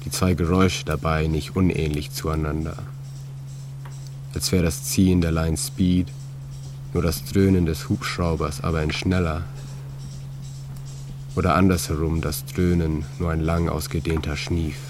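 A man reading a literary story in a calm, measured way, with many pauses. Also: very deep voice, music in the background. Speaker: narrator. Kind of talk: scripted literary narration. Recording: steady hum and drone under the voice.

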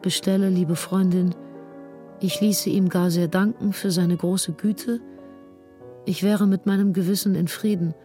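An actress playing a grieving 19th-century woman, reading a written recollection in a measured, formal, sober way. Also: fairly low pitch, steady tone, dark tone, soft background music, lightly acted. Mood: sober grief. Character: grieving 19th-century woman recounting her companion's death in writing. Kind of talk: scripted literary reading.

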